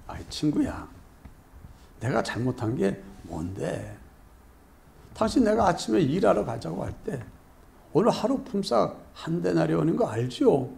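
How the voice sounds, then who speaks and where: A preacher playing a firm, reasoning landowner. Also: male voice, on the high side, sing-song, a little slow, gravelly, long pauses, a little mellow, a little hiss or hum, full character voice. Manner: reasoning, patiently arguing back. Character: calm firm landowner defending his fairness.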